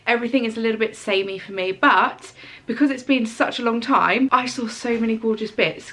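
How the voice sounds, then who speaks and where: A woman's voice: a little high, fairly bright tone, low-quality recording. A woman, congested and stuffy-nosed, chatting in a bubbly, gushing way while sitting on her bedroom floor. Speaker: home and lifestyle vlogger. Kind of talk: casual chatty haul video.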